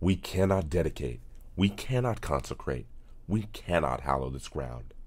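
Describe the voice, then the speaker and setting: A man speaks at a fairly slow pace. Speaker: voice actor. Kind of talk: historic speech reading. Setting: studio demo reel.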